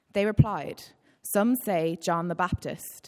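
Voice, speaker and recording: A woman with an Irish accent talks at a moderate pace, her pitch fairly low with ordinary variation. The recording is very clean, with a silent background. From Ireland. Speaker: scripture reader. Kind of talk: scripture reading aloud. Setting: church.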